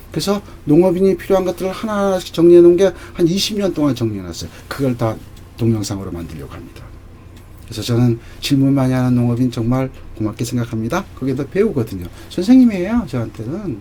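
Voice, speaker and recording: A man speaks very fast at a medium pitch, his voice making very wide pitch swings. Noticeable background noise is present. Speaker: professor. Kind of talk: lecture. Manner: somewhat halting.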